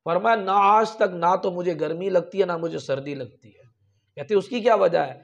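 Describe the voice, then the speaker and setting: High-voiced male preacher, emphatic storytelling. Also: normal speed, vocal fry, a bit bright, lo-fi sound. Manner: emphatic, with sudden raised peaks. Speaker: religious preacher. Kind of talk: storytelling sermon.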